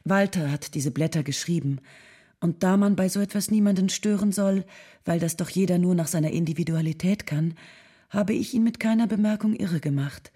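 A woman playing an earnest, tactful nineteenth-century lady, reading a letter in a measured, persuasive, formal way. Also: fairly low pitch, dark tone, slightly rough. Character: Ottilie von Goethe, earnest, tactful 19th-century lady writing condolences.

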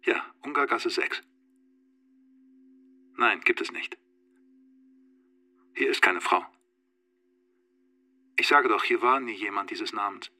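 Radio drama: a cold, evasive character, very slow and curt, with a strikingly sharp, bright tone. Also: male voice, fairly low pitch, heavily acted. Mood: cold, controlled. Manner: curt, controlled, matter-of-fact. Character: calm, cold, evasive man flatly denying on telephone.

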